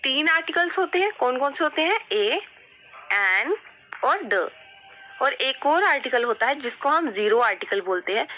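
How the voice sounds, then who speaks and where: A woman's voice: a little high, sharp tone, rough recording. A woman teaching an English grammar lesson in Hindi. She keeps asking questions and answering them herself, and says "ठीक है" often. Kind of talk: classroom-style grammar lesson.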